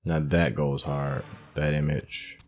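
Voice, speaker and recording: Very deep-voiced man commenting on gameplay. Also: little pitch movement, slow, a little mellow. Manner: enthusiastic, slangy. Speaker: gaming channel host. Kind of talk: casual playthrough commentary.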